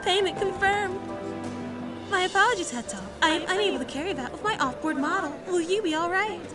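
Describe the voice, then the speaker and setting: A woman's voice: very high-pitched, animated, a little fast, over music. A woman playing a polite, literal-minded computer assistant in an audio drama, speaking formally and precisely. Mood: helpful, formal. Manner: formal, matter-of-fact, precise. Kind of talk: scripted audio drama acting.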